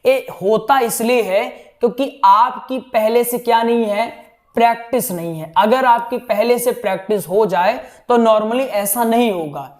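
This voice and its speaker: A man's voice: extremely high pitch, measured pace. Casual male katha teacher. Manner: conversational, keeps checking in with "right?". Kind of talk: teaching talk to students.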